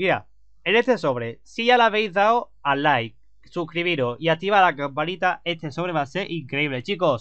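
A man with a Spanish accent speaks in a high pitch with an animated tone and lively intonation at a moderate pace against a quiet background. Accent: Peninsular Spanish. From Spain. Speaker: gaming youtuber. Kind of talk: gameplay commentary.

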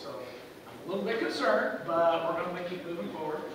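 Very rapid speech in a strongly echoing room, with noticeable background noise. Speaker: pharmacist and coalition organizer. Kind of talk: meeting introduction. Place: hall. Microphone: camera far.

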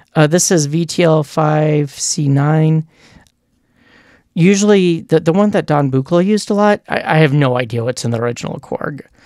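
A man mumbles as he speaks. His pitch varies in an ordinary way. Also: moderate pace. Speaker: university electronics lecturer. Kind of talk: screen-capture tutorial narration. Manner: mumbling, casual, with frequent misspeaking.

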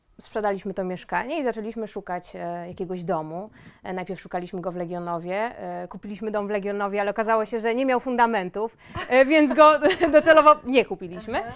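Delivered at a very fast pace, the speech has lively intonation and big swings in loudness. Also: woman. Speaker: interviewee. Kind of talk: interview answer. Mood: warm, light laughter. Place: home room.

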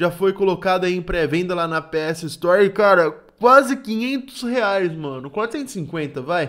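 The speaker has a Brazilian accent and lively intonation at a very slow pace. The background is quiet. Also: man, high pitch for a man. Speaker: gaming YouTuber. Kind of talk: angry rant about game prices, emphatic video monologue. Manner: indignant, emphatic, pleading, repeating 'mano' and 'cara'. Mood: annoyed, critical of prices. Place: home room.

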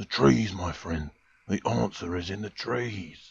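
His intonation is lively. The man's pitch is very deep and low. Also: fairly slow pace. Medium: audio drama. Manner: rude, then nervous and secretive.

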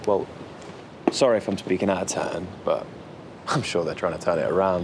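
A man moves at a fairly quick pace, noticeable background noise audible throughout. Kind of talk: scripted drama dialogue. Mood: earnest, gossipy warning. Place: street.

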